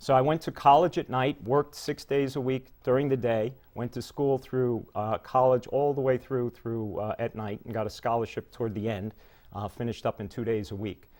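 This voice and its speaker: A man with an American accent talks at a medium pitch and a moderate pace, with ordinary pitch variation. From Long Island, New York. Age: 60s. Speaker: holistic health specialist. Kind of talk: interview, personal story.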